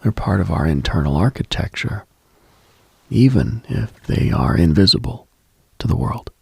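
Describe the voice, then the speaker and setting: Deep, gravelly, husky late-night radio man. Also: expressive, no echo, clean studio sound. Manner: hushed, unhurried, contemplative, addresses listener directly. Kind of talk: intimate late-night mystical monologue, ASMR-like.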